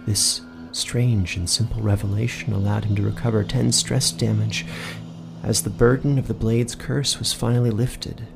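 Low voiced guy game master doing dramatic horror fantasy narration, bit of music behind. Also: flat delivery, moderate pace, gravelly.

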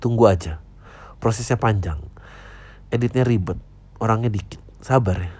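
Man, 30s, podcast host, blunt slangy replies, dark mellow tone. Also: fairly low pitch, normal speed, breathy edge. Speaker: podcast host answering listener emails. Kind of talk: casual podcast chat.

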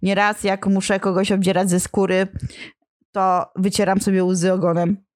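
A woman's voice: medium pitch, level tone, moderate pace, no room sound, studio quality. A woman in a casual lesson, explaining and reading scenes from a drama, with small slips and restarts. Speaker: literature teacher.

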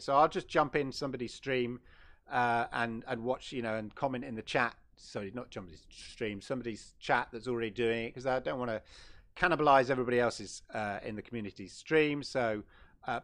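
This gaming channel host is a middle-aged man whose voice sits fairly high with a bit of brightness. On his laid-back livestream he talks in a rambling, chatty way and keeps correcting himself.

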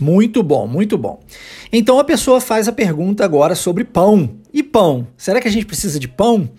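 A man whose first language is Portuguese, teaching English phrases in a podcast lesson and repeating each phrase slowly for learners. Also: high-pitched, darkish tone.

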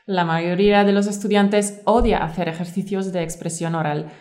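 Female teacher, co-host, reading a course script clearly and evenly. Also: on the low side, fairly even intonation, normal speed, a little mellow. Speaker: Spanish teacher, podcast co-host.

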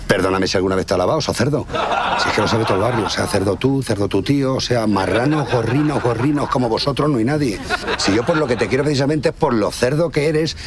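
A man's voice: medium pitch, fast, over a noisy crowd. A Spanish man on a radio show, laughing as he teases and trades mock insults in a comic sketch. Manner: teasing, laughing while trading insults. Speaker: radio host.

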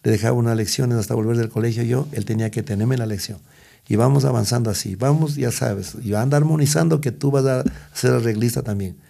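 A man's voice: medium pitch, brisk, creaky, warm tone, breathy edge. A middle-aged man, telling stories as an interview guest, rambling with many restarts. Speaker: guest musician. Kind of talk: storytelling interview.

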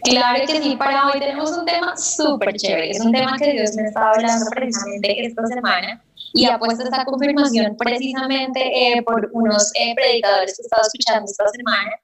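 A young woman with a Colombian accent co-hosting a Christian youth program, chatty and light, laughing softly between points. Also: fairly high pitch, brisk. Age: young adult. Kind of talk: friendly devotional talk. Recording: roomy, distant from the mic.

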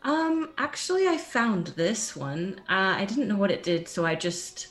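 A woman's voice: mid-range voice, big pitch swings, a little slow, a bit bright. Woman player rambling on, voice swoops up and down, takes her time. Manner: rambling, laughing. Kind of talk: casual tabletop game chat.

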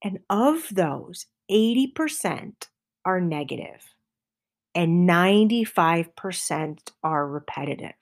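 A middle-aged woman hosting a motivational podcast, enthusiastic, sometimes dropping to a soft whisper for emphasis. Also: lowish voice, animated, takes it slowly. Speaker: podcast host.

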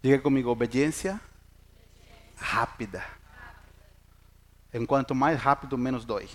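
A man's voice: mid-range voice, a little slow. A middle-aged man preaching in Portuguese, a pastor who jokes with the congregation and asks them questions. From Chile. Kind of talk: sermon.

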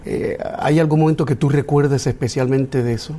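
A man hosting a TV interview show, asking quick, probing follow-up questions. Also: medium pitch, fairly even intonation, mellow, slight background noise. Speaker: TV talk show host.

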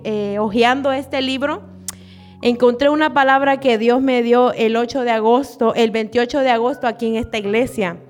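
Nervous young Honduran woman preaching. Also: fairly high pitch. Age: 20s. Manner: earnest, a little nervous, frequent "¿verdad?". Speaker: church speaker. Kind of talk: sermon and prayer. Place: church.

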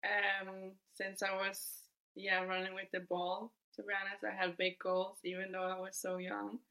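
A Danish woman in her twenties, a footballer appearing as a podcast guest, shares her story in a relaxed, thoughtful way. Her voice is mid-range and she speaks a little slowly.

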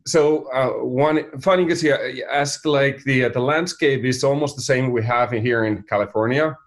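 Finnish-accented man, halting. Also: mid-range voice. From Finland. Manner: halting, many fillers and restarts. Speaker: company founder, guest. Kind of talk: casual interview talk.

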